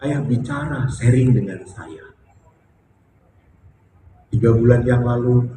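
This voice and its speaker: A Catholic priest giving a homily as a story, joking with the congregation and then turning soft and heartfelt. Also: male voice, mid-range voice, slow, slight background noise. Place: church or hall before a congregation. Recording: echoey hall, speaker far from mic.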